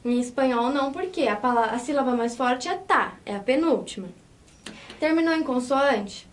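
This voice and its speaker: Brazilian woman, teacher, high-pitched voice, clear step-by-step explanations, counts syllables out loud. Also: moderate pace, slight background noise. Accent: Brazilian Portuguese. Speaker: Spanish teacher. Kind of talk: online language lesson.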